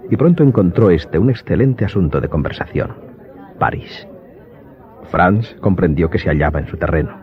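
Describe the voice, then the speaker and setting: A man narrating a dramatized audiobook in a measured, literary storytelling manner. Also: low voice, animated. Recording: dull lo-fi sound, loud music behind.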